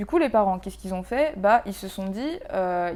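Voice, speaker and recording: Lively intonation colors a woman's medium-pitched voice, an ordinary speaking voice. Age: 20s. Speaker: book youtuber. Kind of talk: casual talk to camera. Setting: apartment. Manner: casual, joking.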